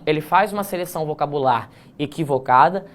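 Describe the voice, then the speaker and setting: A man teaching an online essay-writing class, joking at his own slips, drawing words out slowly to show how they are pronounced, and checking in with the class often. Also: a little high. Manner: playful, self-mocking, frequent "tá?" check-ins; stretches words slowly to demonstrate pronunciation.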